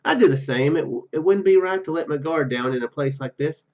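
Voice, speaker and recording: Casting: male gaming host, fairly high voice, reads story text with casual asides, slightly dull recording. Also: brisk, darkish tone. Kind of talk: reading game narration aloud with casual commentary.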